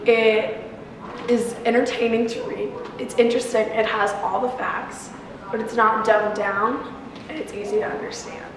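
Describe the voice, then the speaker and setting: A woman's voice: fairly high pitch, fairly even intonation, moderate pace, crowd noise. A woman with an American accent gives a casual testimonial in an interview. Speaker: interviewee, newsletter reader. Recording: very echoey, noisy room.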